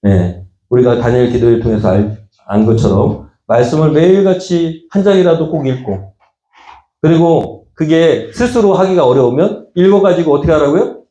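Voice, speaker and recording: A middle-aged man preaches a sermon as pastor, chatting with his congregation and slipping into the voices of the people in his examples. His tone is mellow and dark, and his pitch swings widely. The sound is roomy, as in a church hall. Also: expressive, moderate pace, dull audio. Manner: conversational preaching, acting out quoted voices with rising pitch. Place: church sanctuary. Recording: echoey church room.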